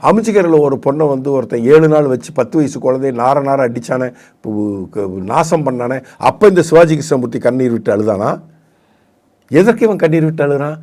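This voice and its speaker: A man's voice: medium pitch, animated, brisk, a little mellow. A man, giving combative political commentary on a talk show and firing off repeated rhetorical questions.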